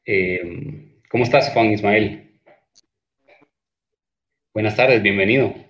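A man's voice: fairly low pitch, slow pace, fairly bright tone. A male host who welcomes and introduces guests. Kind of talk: interview hosting. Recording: roomy, off-mic sound.

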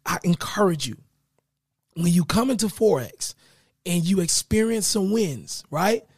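A man hosting his own podcast in a casual motivational style, with a raspy voice that is giving out, often checking in with his listeners. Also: high voice, measured pace, dry recording, clean studio sound. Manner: energetic, hyped greetings, repeats "right?". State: losing his voice. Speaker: podcast host.

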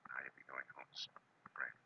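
An actor playing a hard-boiled, world-weary private eye who can turn tender, brooding and clipped in 1940s radio noir style. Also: male voice, very deep voice, completely flat delivery, brisk, vocal fry, bright, forceful tone, exaggerated voice. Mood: gentle, hushed. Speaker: lead actor and narrator of detective series. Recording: muffled, very noisy old radio recording.

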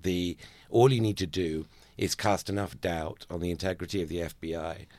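A man speaking as a panel guest in a casual chat, measured and analytical. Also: sits low, steady tone, a little mellow.

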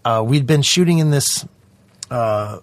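A man with a raspy, hoarse voice telling stories in a casual, profane podcast chat as an actor guest. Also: medium pitch, lively intonation, a little slow, no room sound. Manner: profane, laid-back storytelling. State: hoarse from a throat injury.

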